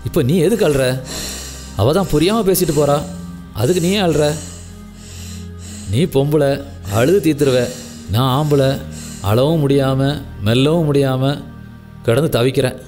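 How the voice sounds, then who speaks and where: Older male voice, actor playing a worried father weighed down by debts, hushed and weary, slightly high pitch. Radio drama. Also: unhurried, long pauses, soft background music, natural voice.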